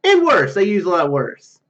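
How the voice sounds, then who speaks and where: A man doing a let's play, reading story text aloud haltingly and dropping in casual asides. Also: sits high, fairly bright tone, highs cut off. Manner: halting, stumbles over read words. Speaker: gaming YouTuber.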